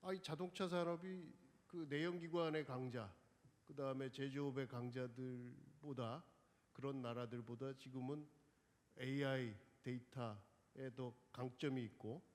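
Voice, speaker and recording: Very fast-talking man moderating a panel. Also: medium pitch, fairly even intonation. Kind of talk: conversational moderating. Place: large conference hall. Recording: long hall reverb.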